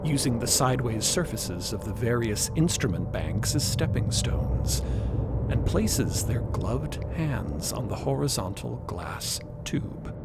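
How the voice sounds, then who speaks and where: A man narrating a scripted story with deliberate, dramatic phrasing. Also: medium pitch, animated, heavy background noise.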